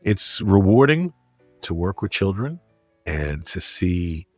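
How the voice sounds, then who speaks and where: A man's voice: low voice, sing-song, slow pace, no room sound, soft background music. A middle-aged or older man speaking as an interview guest, conversational and anecdotal. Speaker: interview guest, critic and broadcaster.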